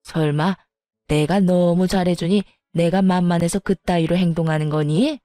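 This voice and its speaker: A woman voicing a sharp-tongued elderly mother-in-law who grumbles and scolds in drawn-out complaints. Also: lowish voice, steady tone, no room sound, studio quality, voice pushed down, natural voice. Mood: grumbling, scolding.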